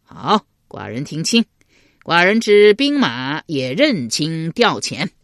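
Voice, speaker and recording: A woman voicing a scheming tribal king in a spoken historical novel, blustering and quick to exclaim. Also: low-pitched, sing-song, a bit bright, dry recording, studio quality, full character voice. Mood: eager.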